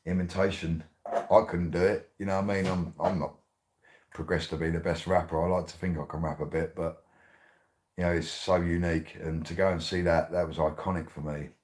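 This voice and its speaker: A man, hosting his radio show in a rambling, excitable way, laughing often. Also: deep voice, fairly quick, a little hiss or hum. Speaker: radio host. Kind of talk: casual monologue.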